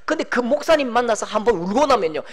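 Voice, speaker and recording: A middle-aged male pastor delivers an animated sermon, acting out quoted voices and shouting to drive points home. His voice is very high, and he talks fast.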